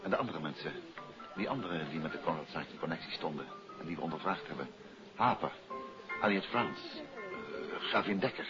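An actor playing a suave, courteous detective and teasing husband in a 1950s Dutch radio play. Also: male voice, extremely low pitch, animated, a little fast. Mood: probing, measured. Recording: dull old radio recording, music behind.

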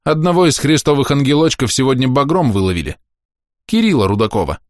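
A man voicing a nervous village policeman who pitches his voice up and drags his words when he shouts. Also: big pitch swings, fast talker, no room sound, studio quality, lightly acted.

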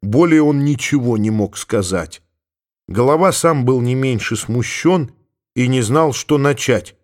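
Expressive male audiobook narrator. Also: mid-range voice, a little slow. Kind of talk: audiobook reading of classic prose.

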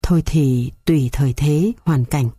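A woman reading the lines of an elderly Buddhist monk, calm and reflective. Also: low-pitched, normal speed, slightly rough, dry recording, studio quality.

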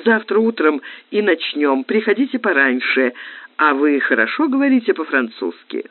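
A man voicing a businesslike, good-natured middle-aged gentleman traveler who speaks briskly and cordially. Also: a little high, very animated, no echo. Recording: tinny phone-like lo-fi recording.

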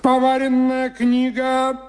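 An actor playing an exuberant folk storyteller in a radio play, reciting rhymed, rhythmic patter in a playful declamatory manner. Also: male voice, very high-pitched, completely flat delivery, takes it slowly, faint music behind. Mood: pompous announcing. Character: exuberant male folk storyteller reciting a royal wedding feast.

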